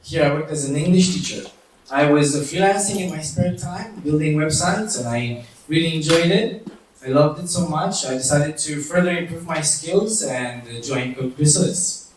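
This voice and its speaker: A man from Romania presenting the tech side of an app, halting with frequent fillers. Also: on the high side, a little hiss or hum. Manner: halting, lots of uh and um. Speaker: bootcamp student presenter. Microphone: distant from the mic. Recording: echoey hall audio from far off.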